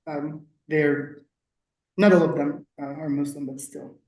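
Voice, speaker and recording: A woman's voice: deep voice, steady tone, a little slow, darkish tone. A woman from Turkey, a native Turkish speaker, chatting casually at a community meeting with laughing asides and frequent fillers. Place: council meeting room. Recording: echoey meeting room from far off.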